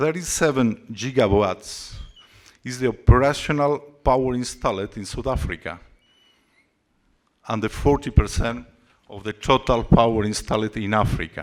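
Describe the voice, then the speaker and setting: A man with a non-native accent speaks at a moderate pace and medium pitch, with ordinary pitch variation, long, frequent pauses and big swings in loudness. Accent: non-native English speaker. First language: Spanish. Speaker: company CEO, engineer. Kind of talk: conference panel talk. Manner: halting.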